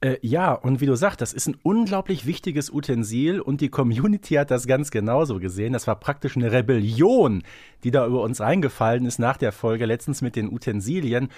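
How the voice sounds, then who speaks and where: A man's voice: mid-range voice, lively intonation, a little fast, a little mellow, dry recording, clean studio sound. A man co-hosting a podcast, talking casually and expressively with colloquial interjections. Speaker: podcast co-host. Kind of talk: casual fan podcast chat.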